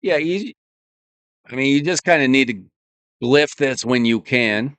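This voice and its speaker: A man live-streaming a game, thinking aloud in a relaxed, casual way while his voice is going. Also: medium pitch, unhurried, no echo. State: losing his voice.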